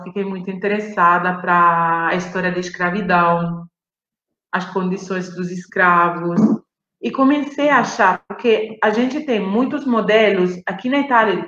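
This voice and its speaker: A woman's voice: mid-range voice, fairly bright tone. Reflective woman, echoey dull call audio. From Brazil, raised in Italy. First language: Italian. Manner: reflective, searching for words, with small restarts. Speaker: guest on a live stream. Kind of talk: personal storytelling on a video call.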